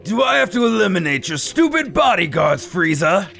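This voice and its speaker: A man's voice: high-pitched, very animated, normal speed, gravelly, sharp tone, soft background music, pitched above the performer's own voice, exaggerated voice. Man voicing a haughty, menacing cat god. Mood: mocking threat. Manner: taunting, imperious.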